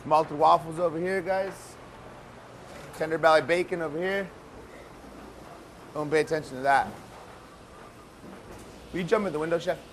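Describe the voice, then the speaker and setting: A man's voice: on the high side, fairly even intonation, moderate pace, pauses often, fairly bright tone. A man giving a casual walking kitchen tour as a chef, calling out in a projected voice to a group following him. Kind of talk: casual walk-and-talk tour. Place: busy restaurant kitchen, indoors. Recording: clear kitchen background noise.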